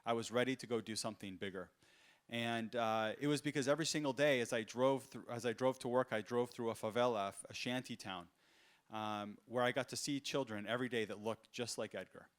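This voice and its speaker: A man speaks on a conference stage, in a voice of ordinary middle pitch. He tells personal stories earnestly and often pauses on fillers or restarts a phrase. It sounds like a keynote from a business summit. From United States. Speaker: entrepreneur giving a conference talk.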